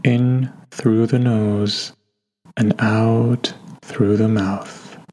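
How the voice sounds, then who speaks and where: Slow, low-voiced man guiding meditation. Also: little pitch movement, rough recording. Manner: gentle, unhurried instruction with long pauses. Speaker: meditation guide. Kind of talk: guided meditation narration. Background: soft background music.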